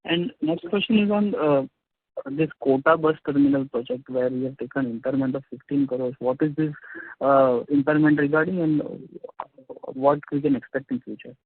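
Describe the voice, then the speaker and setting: A man's voice: a little high, fairly even intonation, normal speed, breathy edge, no echo. A man, an analyst putting questions to company management on a call. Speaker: analyst caller. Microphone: telephone. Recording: dry, narrow phone line.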